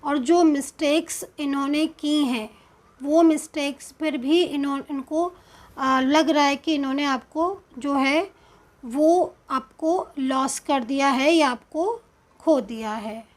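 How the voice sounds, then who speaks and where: A woman with an Indian accent giving a tarot reading in a slow, hesitant, explanatory way, full of fillers and pauses. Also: high-pitched. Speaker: tarot card reader.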